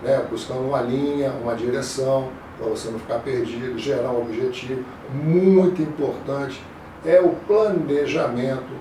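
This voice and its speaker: Noticeable background noise and audible room echo surround the recording. A man talks at a fairly high pitch. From Rio de Janeiro, Brazil. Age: 60s. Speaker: podcast guest, retired manager and student. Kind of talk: interview. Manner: hesitant, repeats words.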